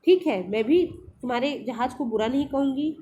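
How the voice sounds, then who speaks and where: A woman's voice: sits high, lively intonation, normal speed, mellow, lo-fi sound, a little hiss or hum. Woman reading as an indignant little girl. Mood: pleading. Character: young girl, proud of her doll.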